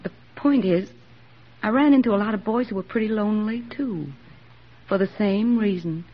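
A woman's voice: mid-range voice, moderate pace, close to an everyday voice. A woman playing an earnest young army nurse in a 1940s radio drama, speaking with heartfelt sincerity. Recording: dull old radio broadcast recording.

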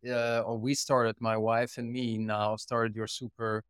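A man with a German accent speaks as an interview guest, earnest and often restarting his sentences. His voice sits at a middling pitch. The sound is dry and close, with no room echo. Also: little pitch movement, a little slow, clean tone. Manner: earnest, many restarts and repeated words. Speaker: guest, company co-founder and CEO. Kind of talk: casual interview chat.

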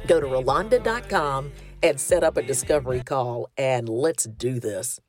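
A woman talk show host with a Southern US accent, a loud voice and a big laugh, talking in a lively, folksy way. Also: extremely low pitch, normal speed, faint music behind. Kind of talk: casual chat and promo.

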